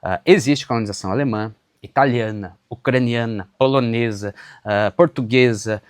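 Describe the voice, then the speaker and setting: A man's voice: mid-range voice, normal speed, dry recording, clean studio sound. A man with a southern Brazilian accent from Santa Catarina, talking casually and emphatically to his viewers as he answers comments, recorded outdoors. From western Santa Catarina, southern Brazil. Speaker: YouTuber on public service exam preparation. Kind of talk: casual direct-to-camera commentary, responding to comments. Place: outdoors on a small farm.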